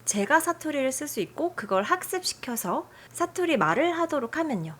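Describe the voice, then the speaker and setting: A woman hosting a software tutorial, explaining settings in a friendly, chatty way. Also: high-pitched, big pitch swings, moderate pace. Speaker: tutorial host.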